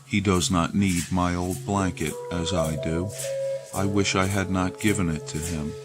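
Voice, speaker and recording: A man's voice: low voice, steady tone, a little slow. A man voicing a selfish trickster spirit from a storybook legend, pleading and self-justifying. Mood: scheming. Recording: loud music behind the voice.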